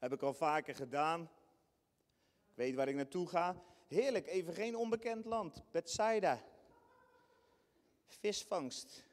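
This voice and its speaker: A man preaching a lively sermon, acting out scenes with sudden high shrieks and bursts of laughter. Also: a little slow, pauses often. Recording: long hall reverb in a church.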